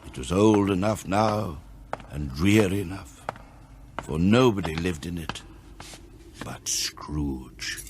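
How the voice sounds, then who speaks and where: An actor playing a wry storyteller, giving theatrical, scripted narration of a Victorian tale in a radio drama. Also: male voice, deep voice, animated, slow pace, pauses often, a little mellow, a little hiss or hum. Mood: brooding. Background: music.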